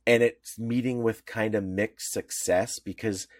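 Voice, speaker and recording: Fairly low and steady, a man's voice moves at a measured pace in clean studio sound without echo. He co-hosts a podcast in casual conversation, eager and rambling, stumbling over restarts as thoughts stack up.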